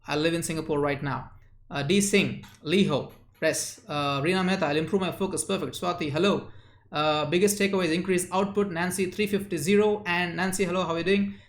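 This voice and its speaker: A man's voice: sits high, steady tone. Man hosting a live chat, echoey room. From India. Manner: chatty, reads chat names and answers quickly, frequent uh fillers. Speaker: live-stream host and memory coach. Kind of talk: live stream, reading viewer chat aloud.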